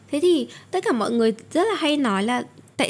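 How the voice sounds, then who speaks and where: The pace runs fairly quick. Pitch moves through very wide swings. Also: woman. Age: 30s. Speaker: podcast host, mental health coach. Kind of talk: monologue podcast.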